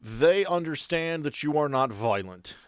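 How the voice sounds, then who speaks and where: A man's voice: fairly high pitch, expressive, a little slow, clean tone, dry recording, clean studio sound. A man narrating a tabletop roleplaying game and explaining rules as game master.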